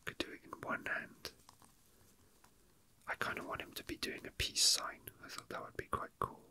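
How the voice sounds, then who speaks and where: A toy unboxing video host whispers breathily close to the microphone, murmuring casually to themselves in ASMR style. The delivery is soft and unhurried.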